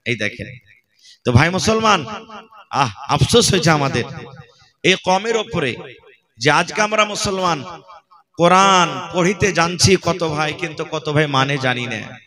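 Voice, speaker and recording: A man preaches in regional Bengali from Purnia, Bihar. His voice is bright and forceful, set a little high. He keeps throwing questions out to the crowd as he goes. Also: expressive, a little slow, pauses often. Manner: fires rhetorical questions at the crowd. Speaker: Islamic preacher. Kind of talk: sermon at a religious gathering.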